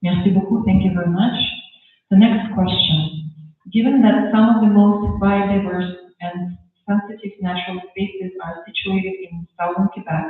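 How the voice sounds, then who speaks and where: A man with a high voice formally reads out questions as a debate moderator. The sound is tinny and very echoey. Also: fairly even intonation, a little slow, soft background music. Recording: echoey room, far tinny mic.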